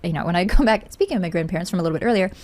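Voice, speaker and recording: A woman's voice: on the low side, expressive, very fast, a little mellow. A young woman chatting casually as a podcast guest, telling anecdotes in a giggly, talkative way full of "like". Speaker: podcast guest, voice actor and singer.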